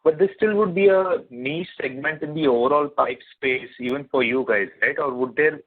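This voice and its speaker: A man's voice: fairly high pitch, moderate pace, breathy edge. Male analyst on a phone line. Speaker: analyst on the call. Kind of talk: asking questions on an investor call. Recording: narrow, tinny phone conference line.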